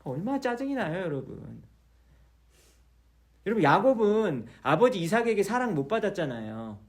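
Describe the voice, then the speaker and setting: A man preaching a chatty, storytelling sermon, his slightly high voice swinging widely up and down. He keeps turning to the congregation with questions and now and then slips into the voices of the people in the story. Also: very animated, moderate pace. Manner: acts out the quoted speech of the people in his story. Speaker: pastor. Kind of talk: conversational sermon.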